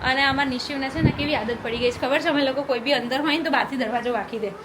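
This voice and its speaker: Chatty high-voiced young woman vlogging. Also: steady tone, very fast. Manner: chatty, keeps checking in with viewers. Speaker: family vlogger and mother. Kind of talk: casual vlog chat to viewers. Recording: noisy phone vlog recording.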